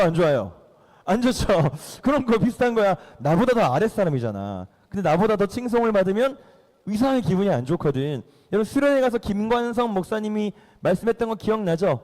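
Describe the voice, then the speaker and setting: A man's voice: sits high, a little mellow, long reverb tail. A man teaching children a Bible lesson in a church, playfully quizzing them as he goes. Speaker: youth pastor teaching children. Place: church hall.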